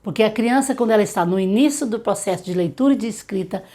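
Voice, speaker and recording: Brazilian woman teacher advising parents. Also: mid-range voice. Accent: Brazilian Portuguese. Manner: warm direct advice to mothers, slow syllable-by-syllable demonstrations. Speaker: literacy teacher. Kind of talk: tutorial talking to parents.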